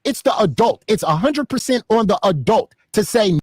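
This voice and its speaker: A man's voice: sits high, expressive, normal speed, darkish tone, slightly rough, dry recording, studio quality. A man in a heated live stream debate, angrily lecturing and swearing.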